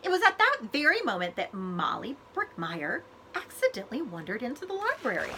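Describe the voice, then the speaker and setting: A woman librarian reading a children's storybook aloud, with expressive, deliberate phrasing for young listeners. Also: fairly high pitch, noisy background.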